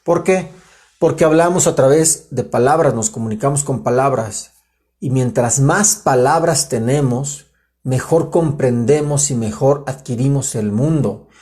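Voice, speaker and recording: Mexican male writer, relaxed animated explainer, casual livestream lesson with asides. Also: mid-range voice, a little slow. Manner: animated, chatty, self-interrupting with asides to viewers. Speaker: writer giving a live grammar talk.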